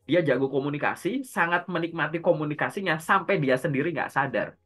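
A man's voice: a little high, a little fast, fairly bright tone, soft background music. A man coaching someone for job interviews over a video call. He explains step by step and asks and answers his own questions. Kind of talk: casual coaching session.

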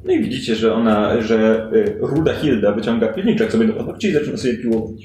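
A man's voice: mid-range voice, expressive, fast, mellow, slight background noise. A man improvising narration as the game master of a tabletop role-playing session. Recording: echoey room, faint music behind.

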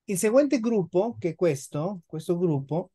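Slow, patient woman teaching Italian. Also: fairly low pitch, lively intonation, dark tone, breathy edge. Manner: slow, patient, repeats and models words. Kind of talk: online language lesson.

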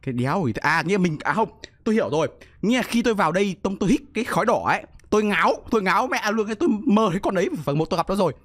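A man streaming a horror game, joking around and bursting into panicked yelling. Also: high-pitched, animated, rapid-fire, few pauses, dry recording. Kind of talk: live gameplay commentary.

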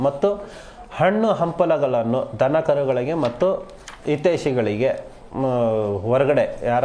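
On a live call-in show, a male astrologer speaks calmly and reassuringly, slowly drawing out the phrases that matter. His voice is mid-range, with a little hiss or hum in the recording.

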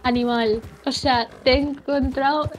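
A woman's voice: high-pitched, fairly even intonation, measured pace. A woman from Spain chatting and teasing a friend while they play a video game together. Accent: Spain Spanish. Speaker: co-player. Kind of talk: casual chat while gaming.

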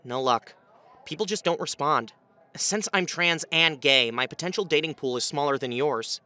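A woman's voice: low-pitched, moderate pace, sharp tone. A woman voicing an anxious, self-deprecating writer and hopeless romantic in a comic dub, with a dramatic, self-pitying manner. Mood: defensive, despondent. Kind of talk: comic dub voice acting with inner monologue. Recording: music bed under the voice.

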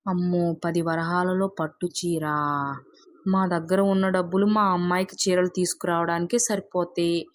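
A woman's voice: lowish voice, little pitch movement, normal speed, slight background noise, natural voice. A woman voicing a timid, obliging village wife in a storybook tale, worried and hesitant. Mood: worried, resentful.

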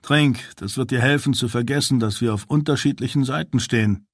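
A man's voice: mid-range voice, fairly quick, no room sound, natural voice. Caring male officer, persuasive, in the male reader's plain voice, dry. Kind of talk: audiobook character voice.

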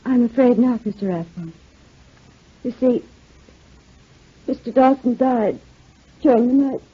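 A woman's voice: on the high side, a little slow, breathy edge. A woman playing a genteel, composed widow in 1940s radio drama style. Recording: muffled vintage radio recording.

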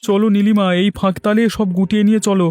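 A man pushing his voice high to play a jealous village schemer in a cartoon. He sounds sly and conniving, plotting against a rival shop. Faint music plays behind. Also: level tone, fast, a little mellow, no room sound, lightly acted. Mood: scheming. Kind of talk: cartoon voice acting.

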